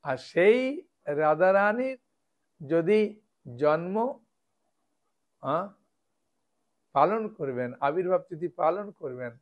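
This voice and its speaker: A man's voice: a little high, lively intonation, slow, long pauses, lo-fi sound. A man, a monk preacher, giving a devotional lecture and explaining step by step, often checking with his listeners.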